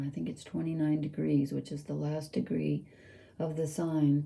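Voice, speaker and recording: The woman's pitch is very deep and low, and her voice is somewhat breathy. She talks at a moderate pace. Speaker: tarot reader and astrologer. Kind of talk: tarot and astrology reading. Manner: hesitant, many fillers.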